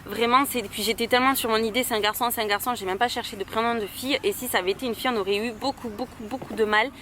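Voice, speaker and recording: A young woman from Toulouse chats through viewer questions in a fairly high voice. She hesitates often and fills pauses with little sounds. Faint street noise hums behind her outdoors. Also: steady tone, bright, forceful tone. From Toulouse, France. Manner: hesitant, many fillers. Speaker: YouTuber. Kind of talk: casual Q&A vlog.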